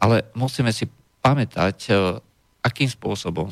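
Recorded very cleanly against a silent background, with a dry, close sound and no echo, a man with a normal speaking voice talks at a moderate pace. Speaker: political commentator. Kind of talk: radio commentary.

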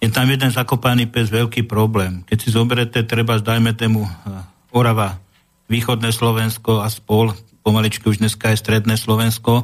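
At a moderate pace, a man with a medium pitch speaks in a monotone, flat intonation at very even loudness. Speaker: trucking association board member. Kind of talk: call-in radio discussion. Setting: radio studio.

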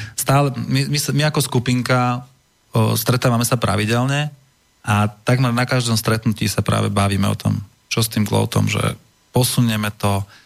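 This man has an ordinary speaking voice at a medium pitch, with ordinary pitch variation. His pace is moderate and his loudness very even. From Slovakia, Prievidza (central Slovakia). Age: 30s. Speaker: civic activist and IT worker. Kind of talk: radio interview. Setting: radio studio.

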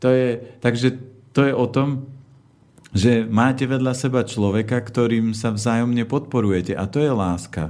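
The speaker talks at a moderate pace with fairly even intonation. It is a normal speaking voice. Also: man, medium pitch for a man. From Orava, northern Slovakia. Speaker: health and nutrition coach. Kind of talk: casual chat.

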